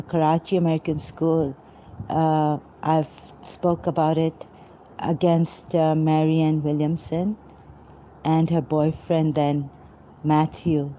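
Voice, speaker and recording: A woman talking to camera in a rambling personal monologue, halting often with pauses and fillers. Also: deep voice, warm tone. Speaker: vlogger. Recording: dull lo-fi recording with faint noise.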